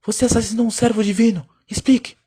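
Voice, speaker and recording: A woman's voice: fairly high pitch, steady tone, fast talker, warm tone, slightly rough. A woman playing a stern, devout older tribal leader in an audio drama, solemn and imperious in manner. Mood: stern, suspicious.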